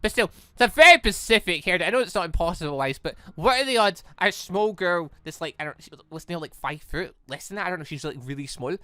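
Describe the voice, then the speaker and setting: Animated man commentating on a game. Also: sits high, fast talker, few pauses, smooth, no room sound. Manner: rambling, excitable, thinking aloud. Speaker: let's play host. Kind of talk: casual game commentary with read-out dialogue. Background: faint music.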